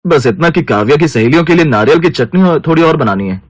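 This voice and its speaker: A man voicing a gentle, polite young husband in a cartoon. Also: fairly high pitch, expressive, quick pace, no room sound. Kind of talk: cartoon voice acting.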